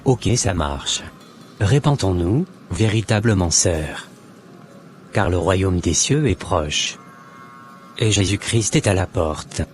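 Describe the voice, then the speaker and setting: A man's voice: deep voice, lively intonation, takes it slowly, long pauses, slight background noise. A man playing a newly converted Christian man in a cartoon, who speaks earnestly and exhorts others. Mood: exhorting.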